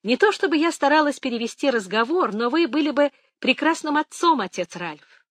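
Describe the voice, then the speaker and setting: A woman voicing a frank, warm-hearted middle-aged woman in an audiobook, direct and gently teasing. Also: sits high, lively intonation, normal speed, no echo, clean studio sound, pitched above the performer's own voice. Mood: candid. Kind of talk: audiobook reading.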